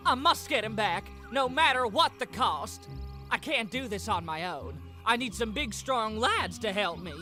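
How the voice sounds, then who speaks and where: An actor playing a flamboyant, melodramatic, effete wizard with a theatrical, swooning manner in a comic fantasy game. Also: male voice, high-pitched, lively intonation, measured pace, sharp tone, faint music behind, exaggerated voice. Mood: fussy, dramatic. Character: flamboyant, melodramatic, effete male wizard mourning his stolen familiar.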